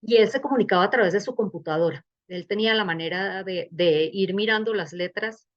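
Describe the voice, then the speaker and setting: A woman's voice: medium pitch, brisk, muffled recording. Colombian woman lecturing over a video call. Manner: engaged, conversational, posing rhetorical questions. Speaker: bioethics lecturer. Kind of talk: webinar lecture.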